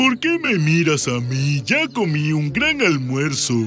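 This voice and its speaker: A man puts on a cartoonish character voice, pitched fairly high and delivered at a fairly slow pace over clear background noise. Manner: defensive, sheepish.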